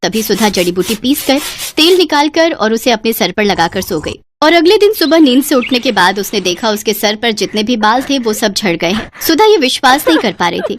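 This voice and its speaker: A woman telling a cartoon story with scripted, expressive narration. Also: a little high, moderate pace, few pauses, slight background noise.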